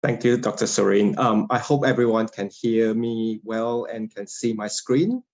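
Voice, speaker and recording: Low-voiced man presenting over video call. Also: darkish tone. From Malaysia. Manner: polite, measured, presents from slides. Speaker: guest lecturer. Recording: dull lo-fi video call audio.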